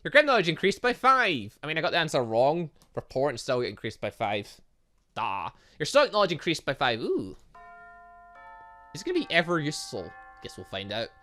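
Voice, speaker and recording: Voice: mid-range voice, wildly swooping pitch, a little fast, a bit bright. A gaming host doing let's play commentary, reading a visual novel's dialogue aloud and tossing in jokey asides.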